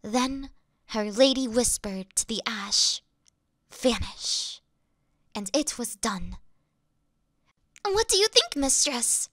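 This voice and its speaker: A woman's voice: on the high side, expressive, slow pace, pauses often, a bit bright, no room sound, clean studio sound. A woman voicing a devoted female demon servant who worships her mistress, fawning and flustered in a scripted audio roleplay. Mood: adoring.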